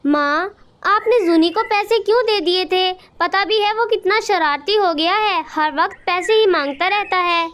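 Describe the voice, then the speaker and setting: A woman's voice: very high-pitched, measured pace, fairly bright tone. A woman voicing a practical, fussy mother bird in a cartoon who lectures her son. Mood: scolding. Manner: scolding, lecturing.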